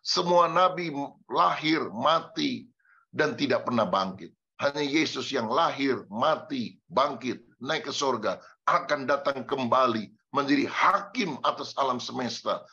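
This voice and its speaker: A male pastor preaching with a bright, forceful voice and lively delivery. He speaks straight to his congregation and acts out the quotes in his stories. The recording sounds dull and lo-fi. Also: medium pitch, measured pace, creaky. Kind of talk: sermon. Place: church.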